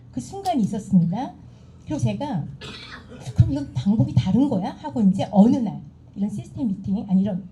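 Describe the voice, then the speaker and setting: A middle-aged woman giving a motivational seminar talk, animated and acting out the dialogue she recounts to the audience. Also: mid-range voice, poor audio. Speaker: seminar speaker.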